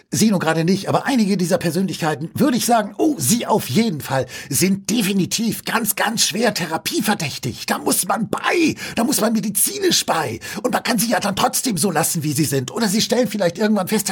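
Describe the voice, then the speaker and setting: A man doing mock-earnest, rambling satire in a deadpan manner. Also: sits high, slightly rough. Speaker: satirical comedian. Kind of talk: mocking parody of interviews.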